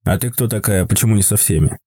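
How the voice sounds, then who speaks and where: A man voices an odd, excitable bearded stranger in a deeper, darker, slower voice than his narration. He swoons over the art, then sizes up the strangers with a wary bluntness. The recording is dry and close. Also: husky, no room sound. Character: eccentric bearded man, gushing and jumpy.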